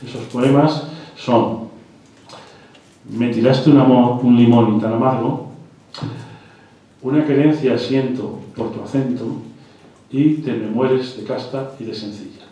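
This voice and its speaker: A man's voice: medium pitch, slow pace, long pauses, mellow, highs cut off. A man giving a live literary lecture, talking in a hesitant way with repeated words and restarts. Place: lecture hall. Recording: echoey hall, mic far off.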